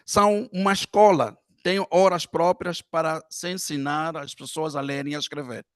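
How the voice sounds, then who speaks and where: A man giving an earnest, measured formal speech at a conference. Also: fairly high pitch, fairly even intonation, fairly bright tone, dry recording, studio quality. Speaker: conference speaker.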